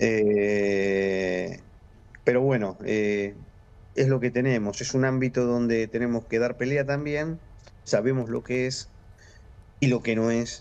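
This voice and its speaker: Very slowly and with long, frequent pauses, a man speaks at a medium pitch with fairly even intonation. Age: 60s. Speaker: father of injured man. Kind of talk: interview. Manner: halting.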